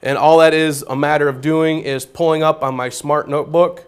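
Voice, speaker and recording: A man who teaches geometry, walking through how he records video notes, with a naturally loud voice and a plain step-by-step way of explaining. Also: fairly high pitch, steady tone, normal speed, clear, resonant tone. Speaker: high school geometry teacher. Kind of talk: classroom technology demonstration.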